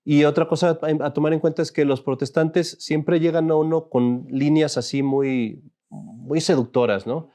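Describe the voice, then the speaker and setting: A man's voice: a little high, steady tone, normal speed, warm tone. Chatty male priest teaching a class. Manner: conversational, jokey, asks the class questions. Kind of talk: informal catechism class.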